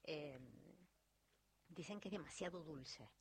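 A woman with an Argentine accent, hosting an interview and asking questions in a chatty, lively way. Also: sits low, takes it slowly, slightly rough. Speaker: host.

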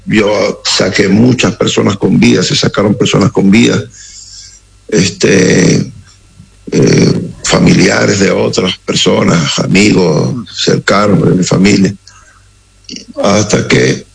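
This is a middle-aged Venezuelan man with a deep, gravelly voice, full of vocal fry. He speaks slowly and gravely, pausing often and choosing his words as a guest on a radio interview. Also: steady tone, poor audio. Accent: Venezuelan Spanish. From Caracas, Venezuela. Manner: slow, halting, grave. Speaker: interview guest, security operative.

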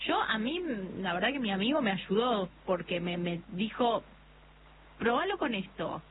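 A woman's voice: medium pitch, animated, moderate pace. Chatty woman radio host. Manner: chatty, agreeing, searches for words. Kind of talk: radio interview. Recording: tinny phone-line sound with noise.

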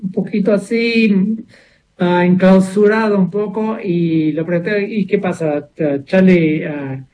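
A man's voice: high voice, fairly even intonation, a little slow, darkish tone, poor audio. A mature Brazilian man, a native Portuguese speaker with a Brazilian accent tinged with Buenos Aires Argentine, talking casually as a musician being interviewed, searching for words as he goes.

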